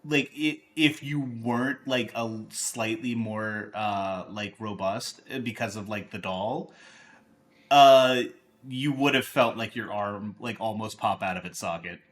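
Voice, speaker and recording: A man speaking casually as a game master, narrating in a halting, rambling, informal way. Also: on the low side, a bit bright.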